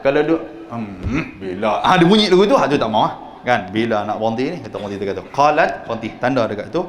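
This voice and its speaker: A male religious teacher with a northern Malay accent, giving a mosque lecture on scripture with lively storytelling, humorous asides, and frequent questions to the congregation. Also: mid-range voice, quick pace. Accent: Northern Malay (Kedah-Penang). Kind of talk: mosque sermon-lecture on Quran commentary. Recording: echoey live-stream hall audio with faint hum.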